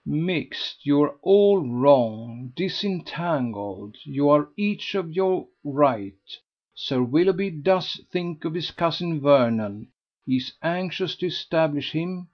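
A man's voice: on the high side, animated, highs cut off, pitched above the performer's own voice. A man voicing a regal, dry-spoken society matron. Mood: judicial. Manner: measured, judicial, dry. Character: regal, composed society matron, older woman.

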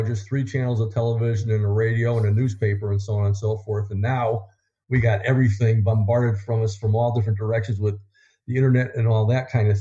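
A man who is a guest author, talking quickly and with enthusiasm about positivity and habits in a casual conversation. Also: medium pitch, warm tone, dull audio. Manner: fast-talking, enthusiastic, motivational.

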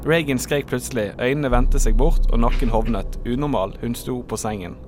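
A man reading narration aloud in a halting, uneven way. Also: medium pitch, background noise. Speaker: narrator of a script read.

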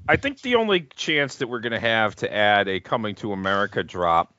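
A man's voice: lowish voice, lively intonation, fairly quick, bright, forceful tone, highs cut off. A man co-hosting a podcast, rambling and joking in casual chat with restarts. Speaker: podcast co-host. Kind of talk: casual chat about wrestling.

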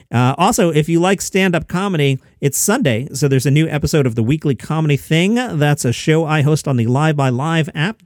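A man's voice: on the high side, no echo, studio quality. A man hosting his podcast from his basement, chatting casually and rambling into asides, a bit out of breath. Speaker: podcast host. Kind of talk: casual chat. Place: home basement.

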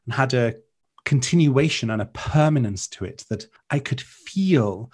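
Welsh man, measured and lyrical. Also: medium pitch, breathy edge. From Wales. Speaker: guest, author. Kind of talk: interview conversation.

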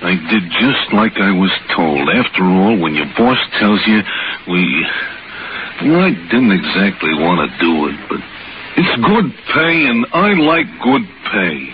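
An actor playing a dim-witted, apologetic hired kidnapper with halting, ungrammatical speech in a 1940s radio thriller. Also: male voice, lowish voice, sing-song, slight background noise. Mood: dim, reflective. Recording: muffled old radio recording with music.

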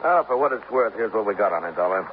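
A man plays a weary police lieutenant with a very deep voice who runs through the facts briskly and plainly. He sounds like an old radio play, dull in tone with a faint hiss. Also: lively intonation, close to an everyday voice. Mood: matter-of-fact. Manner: brisk, matter-of-fact reporting. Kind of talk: 1950s radio drama acting.

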